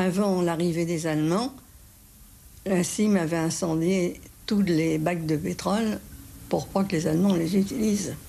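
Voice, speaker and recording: Dark and mellow in tone, this voice keeps a very even loudness and a fairly slow pace, with ordinary pitch variation and long, frequent pauses. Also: woman, fairly low pitch for a woman. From Le Havre, Normandy. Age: 80s+. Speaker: war witness. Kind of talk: interview answer. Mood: calm reminiscing. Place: home room.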